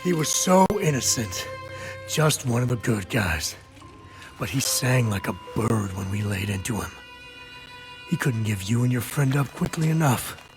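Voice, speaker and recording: An actor playing a menacing, boastful convict gang boss in a video game, speaking theatrically between hissed threats and bellowing. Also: male voice, mid-range voice, animated, unhurried, music in the background, lightly acted. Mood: mocking. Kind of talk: video game cutscene acting.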